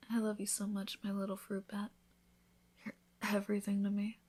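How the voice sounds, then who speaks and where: A woman playing a devoted newlywed vampire wife in an intimate ASMR roleplay, speaking softly, often in a whisper, with an affectionate, reassuring manner. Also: mid-range voice, completely flat delivery, a little slow. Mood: loving. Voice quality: soft, breathy, often whispered.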